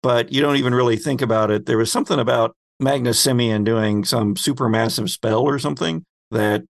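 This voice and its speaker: A man working as host and game master, narrating an improvised story in a conversational way, pausing to search for words. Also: mid-range voice, steady tone, gravelly.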